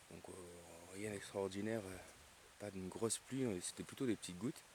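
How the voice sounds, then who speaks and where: This is a man talking. His pitch sits fairly low. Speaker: bushcraft YouTuber. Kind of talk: outdoor vlog narration. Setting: outdoors in forest. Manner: soft-spoken.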